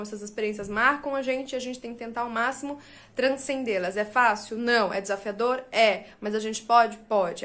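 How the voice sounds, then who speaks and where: A woman in her thirties with a Brazilian Portuguese accent, an astrologer talking casually and openly to her viewers, confiding and animated, often checking in with little tag questions. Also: a little high. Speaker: astrologer and channel host. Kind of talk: casual personal talk to viewers.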